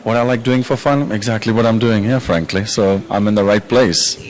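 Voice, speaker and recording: A man from the Czech Republic, a music manager, answering interview questions in a relaxed, thoughtful way with frequent fillers. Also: fairly low pitch, fairly quick, poor audio.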